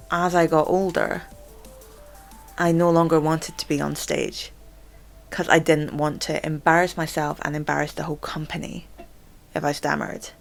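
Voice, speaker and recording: A young woman with a low voice talks casually to the camera about herself. Her speech catches and repeats as she stammers, with many fillers. Soft music plays faintly behind her. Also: creaky. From Scotland. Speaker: channel host. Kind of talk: casual vlog chat.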